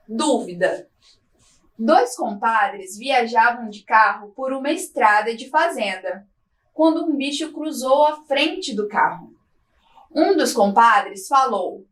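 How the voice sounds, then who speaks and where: A woman teacher giving a recorded lesson, explaining slowly and clearly and asking the students questions. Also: sits high, fairly bright tone. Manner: slow, clear, didactic reading with questions to students.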